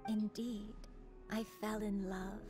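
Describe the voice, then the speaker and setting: Game grandmother played by a female actor: gentle, remorseful, solemn storyteller, music underneath. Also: medium pitch, level tone, natural voice. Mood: fond. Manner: measured, solemn, tender storytelling. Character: gentle remorseful old grandmother, secretly a crane in human form. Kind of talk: scripted game voice acting. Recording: music playing behind the voice.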